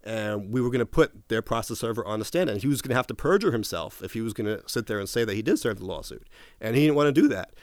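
A man's voice: on the low side, lively intonation, quick pace, no room sound, studio quality. A man being interviewed, retelling a long story in a casual way, restarting often and quoting what others said. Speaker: interview guest.

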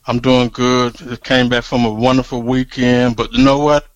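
A man's voice: medium pitch, level tone, normal speed, no room sound, dull audio. A man co-hosting a radio show, introducing and interviewing, often repeating words for emphasis. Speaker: radio co-host, comedian.

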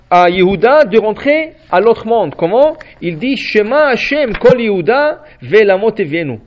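A man teaching a Torah class in a high voice, animated as he tells the story. He asks questions and answers them himself, often stopping to restart a phrase. The recording sounds dull and lo-fi. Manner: hesitant restarts.

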